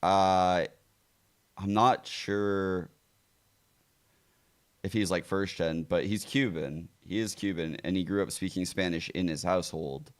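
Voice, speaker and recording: A man's voice: deep voice, fairly even intonation, measured pace, pauses often, clean tone. A man co-streaming an esports match, talking in a casual, laid-back way, swearing and laughing as he reacts.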